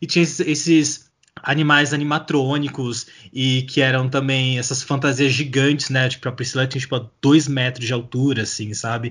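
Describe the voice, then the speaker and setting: A man's monotone, flat delivery at a moderate pace. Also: medium pitch for a man. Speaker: podcast host and editor. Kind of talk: casual chat.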